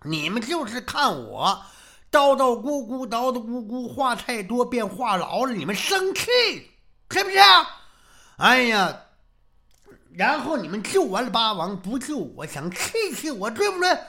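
Man putting on a shrill, nagging, cowardly old master. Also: sing-song, unhurried, creaky, sharp tone, heavily acted. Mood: aggrieved ranting. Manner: shrill, blustering, repetitive complaining.

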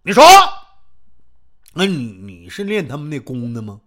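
A storyteller voicing a pompous young nobleman who talks low, slurred and stammering, as if his mouth won't open. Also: sing-song, moderate pace, natural voice. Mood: indignant. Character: pompous mumbling young nobleman, tongue-tied.

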